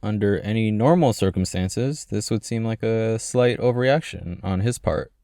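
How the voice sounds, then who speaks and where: A man's voice: fairly low pitch, moderate pace, dark tone, no room sound, clean studio sound, close to an everyday voice. A young man playing a devoted, panicky boyfriend with casual, sarcastic asides in an audio roleplay. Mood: incredulous, wry. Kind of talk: ASMR audio roleplay acting.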